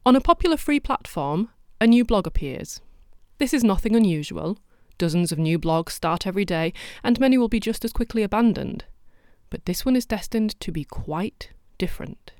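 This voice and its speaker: A woman's voice: medium pitch, animated, normal speed, darkish tone, dry recording. A woman hosting a podcast, delivering scripted documentary narration with dry, wry asides. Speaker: podcast host.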